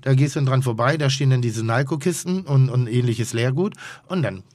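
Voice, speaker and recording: A man telling rambling stories in a relaxed podcast chat, stopping and restarting his sentences often. His voice sits at a middle pitch. The sound is dry and close, with no room echo. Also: a little fast. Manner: rambling storyteller, frequent restarts and fillers. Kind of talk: casual chat.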